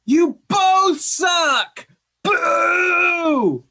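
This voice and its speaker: Woman as a shrill, rowdy wrestling heckler. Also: expressive, full character voice. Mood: jeering. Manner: loud, drawn-out chanting. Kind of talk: staged reading acting.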